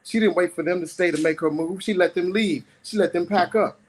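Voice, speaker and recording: A man's voice: high-pitched, a little fast, low-quality recording. A middle-aged man performing spoken-word storytelling at an open mic, dramatic, with rhythmic repetition.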